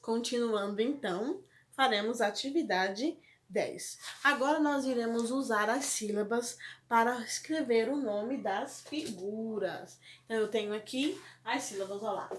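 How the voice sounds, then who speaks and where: Brazilian woman, primary teacher, slow patient delivery, echoey room. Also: on the high side, a little hiss or hum. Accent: Brazilian Portuguese. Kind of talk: recorded classroom lesson.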